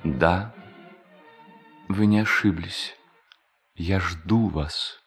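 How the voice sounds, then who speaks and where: A man's voice: low-pitched, very slow, slightly rough, faint music behind, exaggerated voice. A man acting a pious, mournful, bookish member of a religious brotherhood in an audio drama, solemn and preachy. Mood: solemn, preaching.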